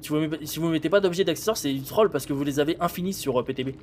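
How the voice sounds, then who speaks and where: Higher-voiced man commenting casually on a game. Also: racing, a little hiss or hum. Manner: blunt, informal, thinking aloud. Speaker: game streamer. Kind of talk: casual live gameplay commentary. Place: indoor streaming setup.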